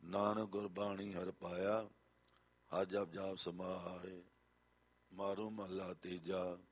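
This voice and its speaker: A man reciting scripture in a slow, measured chant with a melodic lilt, sometimes repeating lines. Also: sits low, flat delivery.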